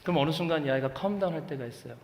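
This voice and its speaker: A man's voice: on the high side, very fast, a little mellow. A man in his thirties preaching a sermon as pastor, earnest and pleading, rising to fervent emphasis. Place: church sanctuary. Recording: echoey church hall with long reverb.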